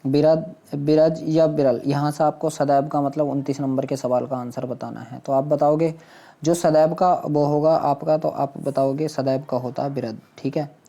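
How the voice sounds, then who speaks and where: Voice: medium pitch, steady tone, normal speed, mellow. An exam coaching teacher walking students through quiz questions and answers, often repeating and asking questions before answering them. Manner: repetitive, question-and-answer explaining to viewers.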